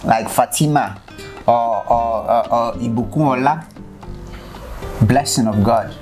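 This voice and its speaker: A man's voice: medium pitch, slow, a little mellow, soft background music. A man from Nigeria with a Nigerian accent, interviewing a guest in casual chat and pressing eagerly with repeated questions.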